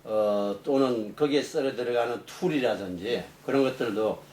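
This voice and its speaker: A middle-aged man, a professor being interviewed, explaining technical matters off the cuff in a halting way. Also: medium pitch, darkish tone. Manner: halting, explanatory, rephrasing as he goes. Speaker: engineering professor, interview guest. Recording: echoey room, distant mic, faint noise.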